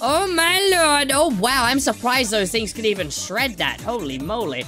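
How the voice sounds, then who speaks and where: Woman, gameplay commentator; high, bright, very animated voice, excitable and full of exclamations, faint game music behind. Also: moderate pace. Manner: excitable, exclaims often, talks to the game characters. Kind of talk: playful let's-play commentary.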